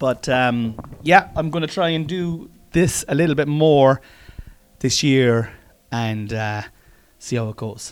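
With an Irish accent, a man talks at a very slow pace and medium pitch, leaving long, frequent pauses, his pitch varying in an ordinary way. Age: 40s. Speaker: podcast host. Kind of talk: casual chat. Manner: chatty, jokey.

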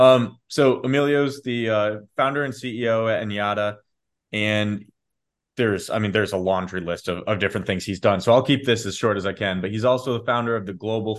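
An ordinary speaking voice from a man, pitched fairly low. He talks at a fairly quick pace with fairly even intonation. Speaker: podcast co-host. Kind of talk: interview.

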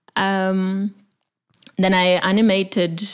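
A very clean recording with a silent background, featuring a woman at medium pitch. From Moldova. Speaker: artist and designer. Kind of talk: casual interview. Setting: at home. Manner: hesitant, many fillers.

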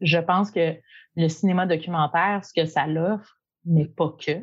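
A somewhat breathy woman's voice with a Quebec accent, fairly low in pitch, at a fairly slow pace and with fairly even intonation. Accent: fully Quebec French. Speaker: film academy director. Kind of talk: podcast interview.

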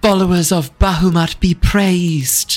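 A booming, put-on character voice at middle pitch proceeds at a moderate pace.

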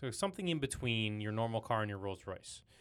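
On a very clean recording with a silent background, a man speaks at a fairly quick pace in an ordinary speaking voice of medium pitch. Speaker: podcast co-host. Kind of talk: casual chat.

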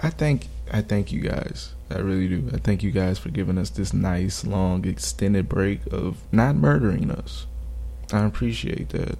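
Speaking at a moderate pace with an American accent, a man uses a very deep, low voice that swings very widely in pitch. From Detroit, US Midwest. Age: 20s. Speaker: podcast co-host. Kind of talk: casual chat. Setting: recording late at night at home.

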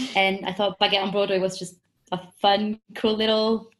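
A woman's medium-pitched voice comes through at a moderate pace. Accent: French. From France, Paris. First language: French. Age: 20s. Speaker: musical theatre performer. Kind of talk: casual chat.

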